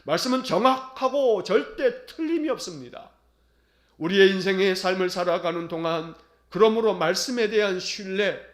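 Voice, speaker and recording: High-voiced earnest Korean pastor. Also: male voice, echoey room. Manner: earnest, solemn preaching with slow, tender quoted lines. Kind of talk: sermon.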